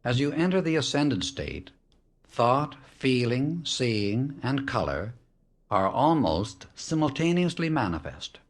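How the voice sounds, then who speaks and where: A man narrates a spiritual audiobook from a script, reading in a solemn, measured, declarative manner. His voice is medium-pitched and very animated.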